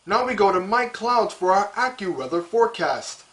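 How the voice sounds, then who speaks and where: A man's voice: high voice, very animated, moderate pace, fairly bright tone. A man playing a polished, reasonable, unbothered TV anchor in a news broadcast parody.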